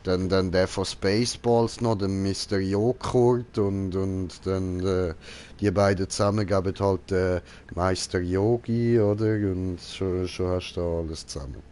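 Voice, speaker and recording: A man's voice: deep voice, fairly even intonation, measured pace, mellow. A man with a Swiss German accent chatting casually while streaming a game, giggly, jokey and full of slang. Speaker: gaming streamer reading and answering chat. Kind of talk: casual gaming chat.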